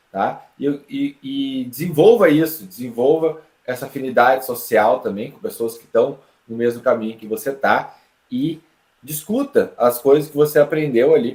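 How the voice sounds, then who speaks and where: A man with a Brazilian Portuguese accent teaching an online lesson in a lively, explanatory way, often checking in with the learner. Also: mid-range voice, moderate pace, reverberant. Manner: lively, explanatory, with frequent tag questions. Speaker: English teacher.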